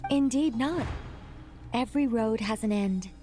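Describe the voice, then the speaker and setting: A woman voicing a serene, mysterious and quietly playful mage in a video game. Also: on the high side, measured pace, faint music behind, close to an everyday voice.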